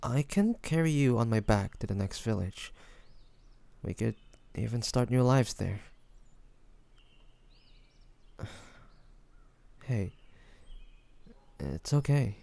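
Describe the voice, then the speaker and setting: Slow-talking, gentle, devoted young man acted by a man. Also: mid-range voice, vocal fry. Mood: gentle, concerned. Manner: gentle, halting, emotive, with sighs and pauses. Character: devoted young man, tender best friend of a dragon shifter. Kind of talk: intimate fantasy audio roleplay addressed to the listener.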